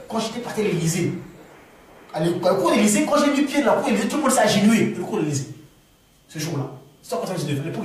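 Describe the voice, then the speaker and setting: Man from the Congo, animated, restarts a lot; high-pitched, recorded from afar. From Republic of the Congo. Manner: animated, repeats words and restarts, rising to exclamations. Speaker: speaker answering questions at a gathering. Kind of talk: spontaneous talk to an audience. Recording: echoey room, far from the mic.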